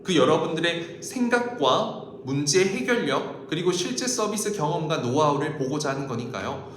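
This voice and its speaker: A man's voice: on the high side, fairly bright tone. A man giving a polite, step-by-step instructional talk to viewers as an interview coach. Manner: polite, explanatory, step-by-step delivery. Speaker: job interview coach and host. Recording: roomy echo with faint background noise.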